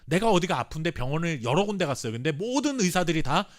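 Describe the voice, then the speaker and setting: A Korean pastor preaching a sermon with earnest emphasis and dramatic pauses, sometimes reading scripture slowly. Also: male voice, on the high side, big pitch swings. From South Korea. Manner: reads scripture aloud slowly with the congregation.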